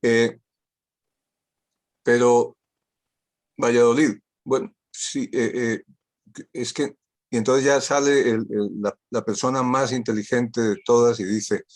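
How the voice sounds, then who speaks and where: Over a video call, an older guest speaker from Spain, Catalan by first language, gives an online talk full of irony and wit, repeating key phrases to stress them. His mid-range voice stays steady and a little mellow as he goes slowly, with long pauses.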